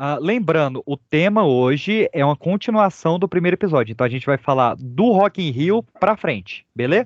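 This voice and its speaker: The voice moves in very wide pitch swings, with hardly any pauses. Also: man, fairly high pitch for a man, moderate pace. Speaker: podcast host. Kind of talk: casual chat. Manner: animated.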